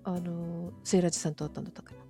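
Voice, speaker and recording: A woman's voice: on the low side, flat delivery, very fast, mellow. A woman chatting casually as an interview guest, reminiscing politely and often searching for her words. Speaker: interview guest, amateur radio drama performer. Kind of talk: casual reminiscing chat in an online audio interview. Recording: background music under the talk. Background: music.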